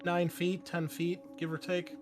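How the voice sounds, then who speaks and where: A man's voice: high voice, monotone, unhurried, music in the background. A man running a tabletop game as game master, informal and thinking aloud as he narrates and checks rules.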